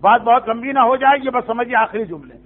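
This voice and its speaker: A man delivers a storytelling sermon in a strikingly high voice, acting out quoted exchanges and breaking off for side remarks and rhetorical questions. The sound is narrow and tinny, as if heard over a phone line. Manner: narrates with quoted dialogue, asides and rhetorical questions. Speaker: preacher.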